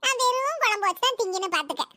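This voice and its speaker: A woman's voice: very high voice, animated, pushed and bright, dry recording, full character voice. A woman voicing an idle, gossip-loving housewife, for a cartoon comedy. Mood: chatty. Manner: quick, exclaiming village gossip.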